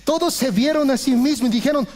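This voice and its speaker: A pastor preaches with passion in his church, his voice pitched unusually high for a man. He keeps turning to his listeners as brothers, swinging between urgent pleading and quiet earnest explanation. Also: fast. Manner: impassioned preaching, often addressing the congregation as brothers. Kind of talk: sermon.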